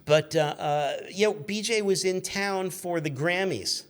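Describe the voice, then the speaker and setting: A man in his fifties telling casual anecdotes as a guest, in an animated, rambling way, acting out what people said. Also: high-pitched, a little slow, clear, resonant tone. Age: 50s. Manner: animated, rambling, acts out remembered quotes.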